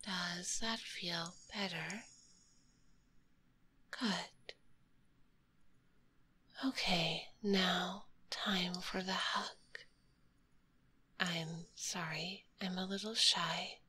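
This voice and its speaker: A woman voicing a kind, shy, sleepy spider monster in a gentle ASMR roleplay, with a soft breathy whisper and formal, polite wording, close on a binaural microphone. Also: on the low side, steady tone, drawn-out words, long pauses, heavily acted. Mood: gentle, cozy. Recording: close binaural recording, faint background noise.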